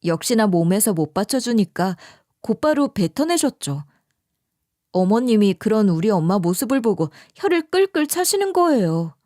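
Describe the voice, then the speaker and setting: A woman's voice: mid-range voice, very animated, normal speed, warm tone, no room sound, studio quality. A woman narrating a first-person story in a scripted, emotional storytelling style.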